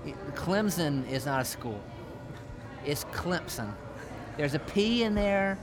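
A man's voice: a little high, expressive, slow pace, music in the background. A man hosting a podcast, joking around and interrupting his guest. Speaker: podcast host. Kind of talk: casual podcast chat.

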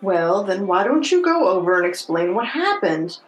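An actress playing a practical, exasperated wife in radio comedy. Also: female voice, medium pitch, very animated, normal speed, reverberant, lightly acted, low-quality recording. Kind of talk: old-time radio comedy acting.

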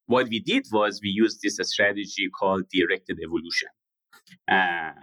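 A man, answering interview questions in a measured, explanatory way with frequent pauses. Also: lowish voice, fairly bright tone, no echo, poor audio. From Iran. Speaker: guest founder.

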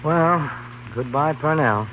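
An actor playing a casual, slangy, quick-tempered young college student in a 1930s radio comedy. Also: male voice, a little high, a little hiss or hum. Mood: wry. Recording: tinny 1930s radio, music behind.

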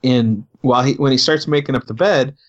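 A man's voice: mid-range voice, highs cut off. A man who is a pastor tells a story in casual talk, stopping and repeating words as he goes. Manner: halting, repeats words as he talks.

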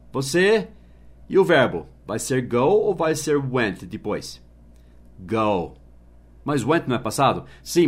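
A man hosting a casual podcast lesson, patiently explaining and spelling words out letter by letter. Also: medium pitch. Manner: slows down to model English phrases, adds tag questions. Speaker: English teacher and podcast host.

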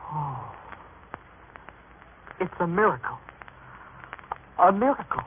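Eager, high-voiced young seeker. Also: male voice, lively intonation, slow pace, a little hiss or hum. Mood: awed. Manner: urgent, breathless wonder. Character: earnest, eager young man, awestruck seeker. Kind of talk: vintage radio drama acting. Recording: tinny old radio recording, crowd behind.

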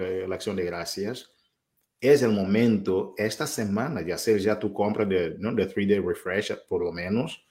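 A man's voice: fairly low pitch, a little mellow. A man hosting a live-stream interview, encouraging and emphatic with his guest. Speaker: host.

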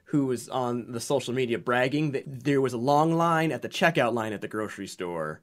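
A man's voice: mid-range voice, fairly quick. A man co-hosting a podcast, cracking playful jokes in casual chat. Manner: wisecracking, playful. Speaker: podcast co-host.

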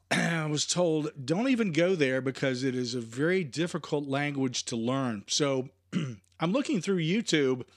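A man hosting a sports podcast, friendly, stammering a little and clearing his throat often. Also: fairly high pitch, expressive, a little slow, no room sound, studio quality. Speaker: podcast host. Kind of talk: casual interview chat.

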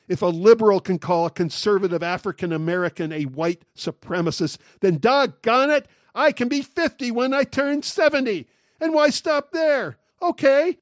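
Male host, sixties, wry and animated, pitched high, dry studio sound. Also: dry recording. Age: 60s. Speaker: podcast host. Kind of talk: solo talk show monologue.

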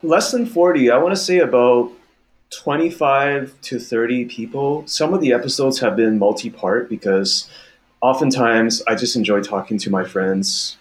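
A man's voice: medium pitch, moderate pace. A man in his thirties from Taiwan, a podcast guest talking in a casual, thoughtful way with small restarts. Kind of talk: casual interview chat.

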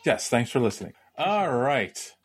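Husky-voiced male podcast host, rambling. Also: mid-range voice, big pitch swings, a little slow. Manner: rambling, hedging, laughs often. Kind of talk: casual chat.

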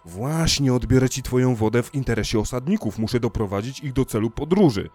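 A man voicing an angry, grim male spaceship crewman who shouts accusations, in an audiobook reading. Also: mid-range voice, lively intonation, a little fast, voice pushed up, lightly acted. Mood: furious. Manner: shouting insults, then cold and quiet.

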